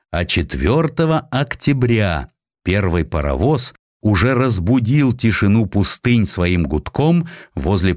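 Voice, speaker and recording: A man's voice: sits low, a little mellow, no echo, clean studio sound. A man reading historical prose as a dramatic, scripted audiobook narration.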